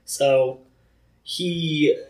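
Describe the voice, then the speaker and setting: A man's voice: on the high side, fairly even intonation, extremely slow, darkish tone, echoey room, poor audio. A man co-hosting a casual book discussion, loose and enthusiastic, saying "like" often. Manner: loose, enthusiastic, heavy use of "like". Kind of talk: casual chat.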